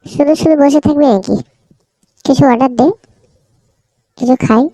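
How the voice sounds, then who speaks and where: A woman's voice: sits high, normal speed, dark tone, no room sound, poor audio. A woman voicing a teasing, bossy but caring cartoon friend in a casual, familiar, nudging way. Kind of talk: cartoon dialogue.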